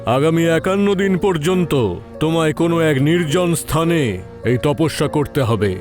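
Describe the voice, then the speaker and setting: A man voicing a solemn forest tantric who gives slow, ominous warnings in a horror audio story. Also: fairly high pitch, expressive, music in the background, close to an everyday voice. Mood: grave, warning.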